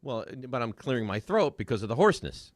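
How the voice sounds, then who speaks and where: Fast, animated New sports radio man. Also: medium pitch, dry recording, clean studio sound. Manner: fast, animated, repeats words when starting sentences. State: slightly hoarse.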